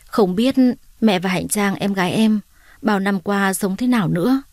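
A woman's voice: mid-range voice, normal speed, darkish tone, dry recording, studio quality, natural voice. A woman voicing a young woman who comes home after years away, speaking emotionally and pleadingly. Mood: wistful. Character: young woman returning home, tearful and remorseful.

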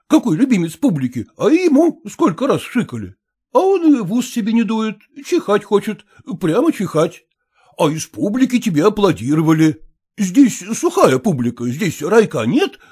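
A man's voice: high-pitched, warm tone, slightly rough, pitched above the performer's own voice, exaggerated voice. A man voicing a middle-aged actor who earnestly soothes his upset wife.

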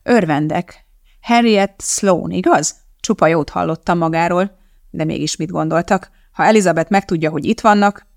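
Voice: medium pitch, gravelly, dry recording, studio quality, lightly acted. A narrator voicing a genial, diplomatic middle-aged male TV producer who talks in a polite, placating way.

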